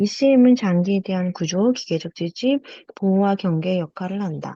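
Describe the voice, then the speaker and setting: In a dry, close sound with no echo, a woman with a dark, mellow, somewhat breathy tone speaks at a medium pitch and moderate pace with ordinary pitch variation. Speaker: study group member. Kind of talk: reading aloud.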